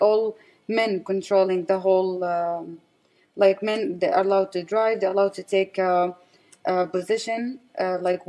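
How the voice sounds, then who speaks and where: A woman with an Arabic accent and a medium-pitched voice speaks as a guest in an interview. Her English is non-native and halting, and she often searches for words while giving personal testimony. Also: darkish tone. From West Bank, raised in Saudi Arabia.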